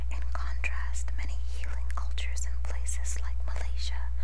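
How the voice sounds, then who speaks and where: The speaker whispers softly against noticeable background noise. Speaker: ASMR creator. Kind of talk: reading of an educational text on medicinal plants. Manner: whispered, soft-spoken, calming.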